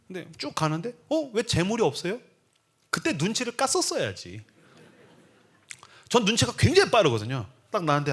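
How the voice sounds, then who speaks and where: A man in his forties preaching a humorous revival sermon in a church, telling the story with acted-out dialogue. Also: a little high. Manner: animated storytelling, acting out dialogue in voices. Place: church sanctuary.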